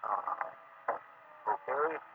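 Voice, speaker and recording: An actor playing a folksy American roadside bar keeper in a 1940s radio crime drama. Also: male voice, drawn-out words. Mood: casual, curious. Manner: folksy, loose grammar. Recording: narrow-band old radio recording, faint noise.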